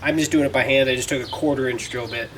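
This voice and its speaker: Male DIY host, medium pitch, talking casually through hands-on car work, folksy, recorded at a distance over noticeable vehicle noise. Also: fairly even intonation, fast talker. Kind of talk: casual how-to narration while working. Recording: distant mic, clearly noisy, vehicle ambience.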